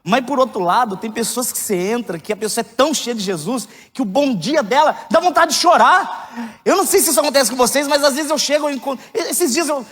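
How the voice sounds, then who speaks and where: Brief: male preacher, thirties, high-pitched voice, joking candid delivery, church hall with long reverb. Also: brisk. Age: 30s. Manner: candid, joking, rising to loud emphatic outbursts. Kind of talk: sermon.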